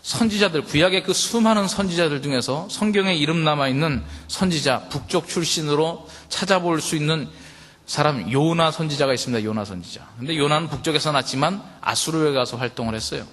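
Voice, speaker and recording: Guy preaching to his church, kinda chatty, keeps asking the people questions, slightly high voice, big echoey hall. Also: a little fast, a bit bright. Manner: conversational preaching, addresses the congregation directly with rhetorical questions. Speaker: pastor. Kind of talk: sermon.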